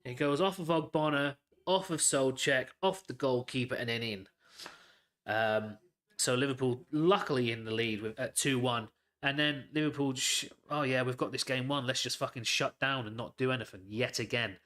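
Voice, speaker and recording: A man's voice: medium pitch, moderate pace, fairly bright tone. Sweary, exasperated man commentating football. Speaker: football watchalong host. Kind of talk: live match commentary and rant.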